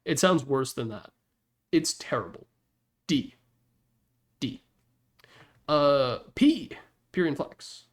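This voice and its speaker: A medium-pitched, expressive male voice moves slowly and pauses often. The host ranks game announcer packs in a rambling, casual manner, blunt, candid and sweary, speaking into a Yeti desktop microphone in his room.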